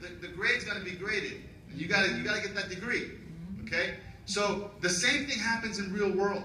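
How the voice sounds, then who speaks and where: Over light background noise and audible room echo, a man raises and projects a high voice with fairly even intonation. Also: fairly quick pace. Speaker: commencement speaker, former biochemist and radio DJ. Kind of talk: graduation speech. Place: hall. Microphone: pa.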